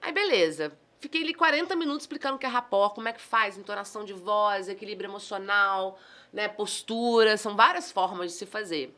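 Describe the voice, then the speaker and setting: A woman with a Brazilian accent, a communication trainer chatting as a podcast guest, animated and exclamatory, acting out the dialogue in her stories. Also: medium pitch, brisk. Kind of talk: casual podcast conversation.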